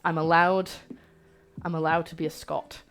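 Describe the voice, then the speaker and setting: A young woman with a faint Scottish accent chats loosely to her stream audience as she cooks at home. Her voice sits on the low side, and she rambles in an easygoing way. Quiet music plays underneath. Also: little pitch movement, moderate pace. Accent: light Scottish-English mix. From Scotland. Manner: chatty, rambling, talks to chat. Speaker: cooking streamer. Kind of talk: casual live-stream chat while cooking. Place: home kitchen.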